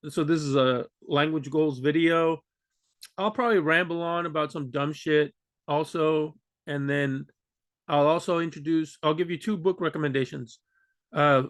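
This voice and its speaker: A man with a slightly high voice talks straight into his computer mic in a dry, close room. He was born in Peru and his first language is Spanish. He rambles, restarts his sentences and pokes fun at himself as he goes. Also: a bit bright, no echo. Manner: rambling, self-deprecating, many fillers and restarts. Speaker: language vlogger. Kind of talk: unscripted rambling talk to camera.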